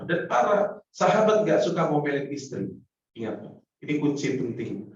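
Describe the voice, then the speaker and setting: A man preaches a sermon to a congregation, calling out to the men and women in it and acting out short exchanges between spouses. His voice rings through a very echoey hall and is picked up from some distance, so it sounds muffled and roomy. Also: mid-range voice. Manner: lively, addresses the congregation directly, acts out little dialogues. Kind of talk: Islamic sermon on marriage.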